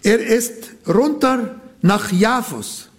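A man with an Arabic accent delivers a sermon slowly and deliberately. His voice sits high for a man. He halts often, hunting for the right word and correcting himself as he goes. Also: lively intonation. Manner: halting, searches for words and corrects himself. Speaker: preacher.

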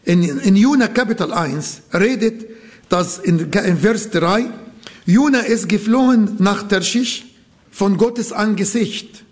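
Guy preaching, earnest, says things twice, kinda high voice. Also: lively intonation, slow. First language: Arabic. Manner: earnest, repeats key phrases, non-native grammar. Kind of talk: sermon.

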